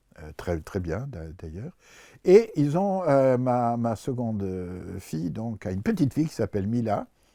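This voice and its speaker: A man's fairly low voice carries a dark, mellow tone with big swings in loudness. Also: very clean recording, silent background. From France, Corrèze. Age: 70s. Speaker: retired anthropologist. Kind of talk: interview monologue. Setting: filmed interview. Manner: hesitant, many fillers.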